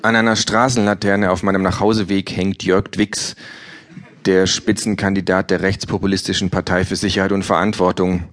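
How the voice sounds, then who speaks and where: A man reading his own comedic book aloud live on stage, with a dry, deadpan delivery. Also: low-pitched, normal speed. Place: stage before an audience.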